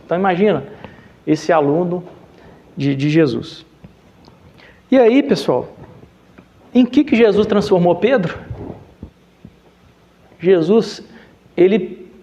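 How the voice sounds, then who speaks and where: A man teaching a religious lesson in a lively, joking storytelling way, often speaking straight to his class. His voice is fairly high for a man, and the recording is a little muffled. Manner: animated, humorous, addresses listeners directly.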